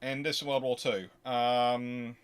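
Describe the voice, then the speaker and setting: A man hosting an unscripted history question-and-answer stream, talking casually in a halting, digressive way and often correcting himself. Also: mid-range voice, level tone, clear, resonant tone. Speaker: history livestream host.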